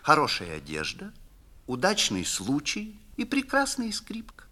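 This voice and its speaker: Man playing a scheming devil lawyer, insinuating, hushed whispered asides, wildly swooping voice, bright edge, theatrical storybook reading. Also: a little high, huge pitch swings, a little slow, heavily acted. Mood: sly, persuasive. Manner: insinuating, dropping to sly whispers. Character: sly scheming male devil posing as a lawyer. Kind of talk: classic theatrical literary reading.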